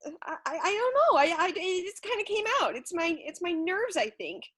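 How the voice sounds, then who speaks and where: A woman's voice: very high-pitched, very animated, fairly quick, a bit bright, full character voice. An actress playing a nervous, lovestruck woman in a comedy sketch, hesitant and prone to stammering and bursting into song. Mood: nervous, flustered. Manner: hesitant, stammering when speaking. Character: nervous lovestruck woman who blurts out songs. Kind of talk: virtual staged comedy sketch reading.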